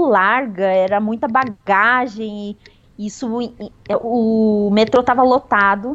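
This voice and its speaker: A woman with a fairly high pitch and a southern Brazilian accent speaks with ordinary pitch variation. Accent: southern Brazilian, somewhat rural. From Rio Negrinho, northern Santa Catarina, Brazil. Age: 40s. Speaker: cycle traveller. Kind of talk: interview.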